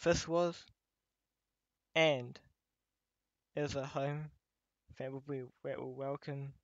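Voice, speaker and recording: Man voicing a slow, gentle teddy bear. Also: mid-range voice, fairly even intonation, dry recording, lo-fi sound. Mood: gentle, wistful. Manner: slow, tender, with frequent pauses. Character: gentle, nostalgic childhood teddy bear, loving and wistful. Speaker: voice actor. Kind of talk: ASMR roleplay addressed to listener.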